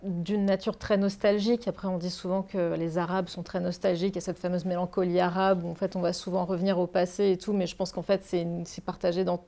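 Mellow-voiced reflective young woman author. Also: on the low side, level tone, fast talker, gravelly, hardly any pauses. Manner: reflective, repeats words as she thinks. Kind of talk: bookshop author talk. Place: bookshop reading event, indoors.

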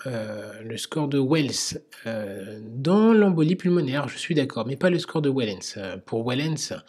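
A man's voice: medium pitch, breathy edge. A man teaching emergency medicine through a multiple-choice case, explaining answers with frequent hesitations. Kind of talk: quiz-style medical lecture.

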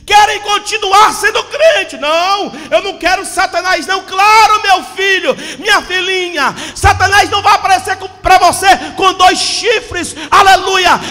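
A man in his forties preaches with fiery fervor, his very high, bright, forceful voice often rising to a shout. He holds a handheld mic, and the sound carries a long reverb from the church hall around him. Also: moderate pace, hardly any pauses. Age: 40s. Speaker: pastor. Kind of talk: impassioned Pentecostal sermon. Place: church hall with a stage backdrop. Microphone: handheld microphone.

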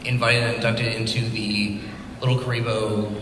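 A man's voice: on the low side, little pitch movement, normal speed. A male stand-up comedian chatting casually as a panel guest, heard from far off in a big convention hall. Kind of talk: casual comic chat. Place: large convention hall stage. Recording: echoey hall from far off, loud noise.

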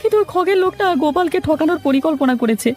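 A man voicing a whining, self-pitying cartoon schemer who has been brought low. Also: rapid-fire. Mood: frightened pleading. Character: whining, town-educated male schemer, later regretful beggar.

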